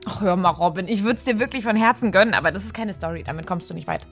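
An actress playing a journalist who answers in a dry, teasing way in a radio drama. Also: female voice, mid-range voice, fast, faint music behind, lightly acted. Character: wry female journalist, old friend.

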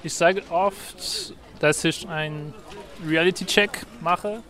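A man with a French accent and French as his native language explains things in an interview. His voice is fairly high and very slow, with hesitant pauses between short phrases. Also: steady tone, bright, forceful tone. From France.

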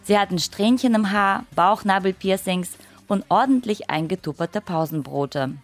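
A woman in her late twenties, from Russia, reading her own first-person essay as calm, measured, wry radio narration. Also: mid-range voice, faint music behind. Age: late 20s.

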